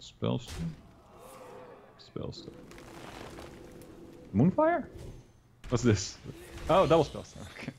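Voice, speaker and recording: Gravelly Dutch man thinking aloud. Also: medium pitch, wildly swooping pitch, a little mellow, slight background noise. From Netherlands. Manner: thinks aloud, quick restarts and laughs. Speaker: guest co-player. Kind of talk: casual game commentary.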